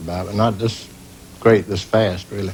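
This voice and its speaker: A man with a Southern accent. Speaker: celebrity's stepfather. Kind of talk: talk show interview. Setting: studio with audience. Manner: laid-back.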